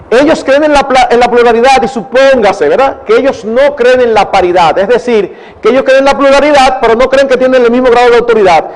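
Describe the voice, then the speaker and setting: High-voiced older Dominican pastor. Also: male voice, rough recording. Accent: Dominican Spanish. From Dominican Republic. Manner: earnest, digressive, addresses audience as brothers. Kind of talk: conference Q&A talk.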